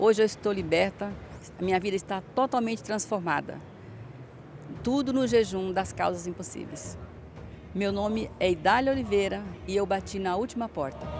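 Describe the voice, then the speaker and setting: A woman's medium-pitched voice with vocal fry, ordinary pitch variation, a moderate pace, and long, frequent pauses. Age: 60s. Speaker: church member. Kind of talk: testimony.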